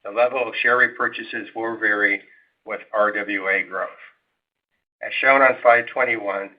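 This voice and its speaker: Over a narrow, tinny phone connection, a man with a fairly low voice delivers prepared financial remarks. He sounds like a company executive on an investor call, formal and measured in how he presents. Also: steady tone.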